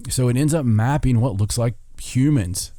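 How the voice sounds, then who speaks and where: A man's voice: mid-range voice, moderate pace, warm tone, dry recording, clean studio sound. A man co-hosting a podcast in casual banter, irreverent and rambling, with mild swearing. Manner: irreverent, rambling, mildly profane. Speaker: podcast co-host. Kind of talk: casual paranormal talk show banter.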